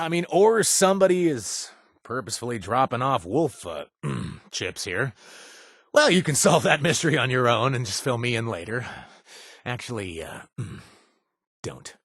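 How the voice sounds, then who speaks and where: An actor playing a wry, chatty wasteland informant in a video game, husky, with a hesitant, rambling delivery and joking asides. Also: male voice, mid-range voice, big pitch swings, a little slow, a bit bright, dry recording, studio quality, exaggerated voice. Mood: wry, offhand. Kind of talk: video game voice acting, casual spoken tips.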